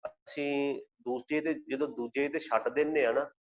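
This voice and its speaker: A man leads an online scripture class at a middle pitch. He moves between storytelling and slow, careful recitation of verses. The audio is dull and lo-fi, as from a video call. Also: steady tone. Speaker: Gurbani teacher.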